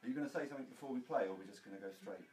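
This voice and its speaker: A man's voice: mid-range voice, racing, a little mellow, faint music behind. A man, a band musician, chatting casually in an echoey, noisy room away from the microphone. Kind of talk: casual chat. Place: indoor office room at a radio station. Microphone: distant camera microphone.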